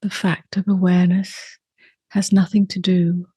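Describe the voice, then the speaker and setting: A female teacher guides a meditation in a soft, gentle, breathy voice, using short, unhurried phrases separated by long pauses. Her pitch sits fairly low and her delivery is flat, with no echo.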